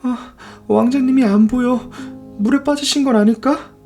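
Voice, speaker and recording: Man voicing a high, wistful young mermaid princess. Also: moderate pace, a little mellow, faint music behind. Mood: anxious, pleading. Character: young mermaid princess, longing and innocent girl.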